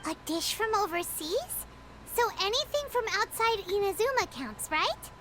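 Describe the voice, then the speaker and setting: A woman's voice: very high voice, sing-song, normal speed, full character voice. A woman voicing a tiny floating fairy companion who chatters in a bubbly, exclaiming way. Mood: chirpy. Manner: bubbly, exclaiming, refers to herself by name. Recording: game audio with music behind.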